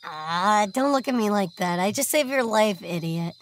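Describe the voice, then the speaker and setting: A woman's voice: mid-range voice, animated, moderate pace, close to an everyday voice. A woman playing a teasing, bossy but caring young woman in a naturalistic audio drama, coaxing playfully.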